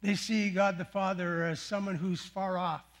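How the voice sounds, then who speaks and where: An older man preaching as a pastor, telling counseling stories in an earnest, unhurried way and praying softly. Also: sits high, little pitch movement. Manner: earnest, unhurried storytelling with soft-spoken prayer. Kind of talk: sermon.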